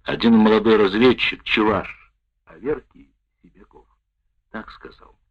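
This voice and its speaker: A man reading a wartime memoir aloud in the first person, with a measured, expressive delivery. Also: lowish voice. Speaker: narrator. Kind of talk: audiobook narration of a wartime memoir. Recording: dull lo-fi recording.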